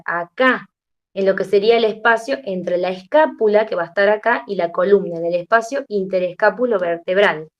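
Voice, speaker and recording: A woman's voice: mid-range voice, highs cut off. A young adult woman teaching a class, tired, explaining step by step and often checking in with her students. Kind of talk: classroom lecture.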